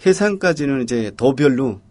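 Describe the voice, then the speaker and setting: A man with a North Korean accent, a talk-show guest giving short, plain answers filled with pauses. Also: mid-range voice, lively intonation, a little mellow.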